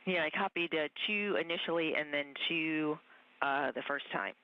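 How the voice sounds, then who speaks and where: A man's voice: on the high side, normal speed, clear, resonant tone. A man at mission control making methodical radio calls over a space-to-ground radio loop, reading back checks. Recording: dull radio loop audio.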